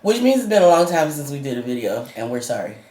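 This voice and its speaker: A man's voice: medium pitch, big pitch swings, quick pace, a little mellow, roomy sound, rough recording. Chatty trans man with a cracking voice. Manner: chatty, laughs often, many fillers. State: voice cracking, going up and down. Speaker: vlogger. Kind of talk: casual chat.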